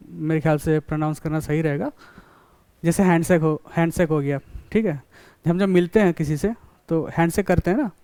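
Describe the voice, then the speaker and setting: A man's voice: fairly high pitch, darkish tone, smooth, no echo. A man giving a college lecture, explaining with classroom examples and often checking that students follow.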